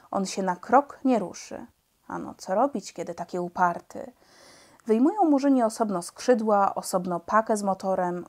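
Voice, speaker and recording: A woman reading a children's novel aloud, telling the story in a lively, expressive way. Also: medium pitch. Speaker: audiobook narrator.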